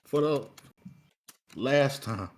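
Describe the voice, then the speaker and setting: A man's voice: mid-range voice, extremely slow. A man hosting a casual live talk show and introducing the panel. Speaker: host.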